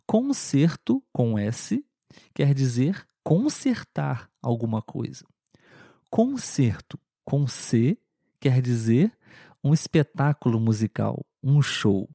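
A man giving a language lesson, repeating words and sentences slowly and clearly for learners. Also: mid-range voice, dark tone, no room sound, studio quality. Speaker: language teacher. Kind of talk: slow explanatory lesson.

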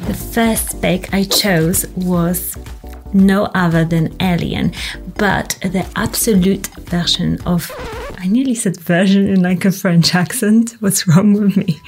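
A woman's voice: fairly low pitch, a little slow, darkish tone, soft background music. A woman hosting her fragrance channel, giving a casual product review and chatting away, often repeating words for emphasis.

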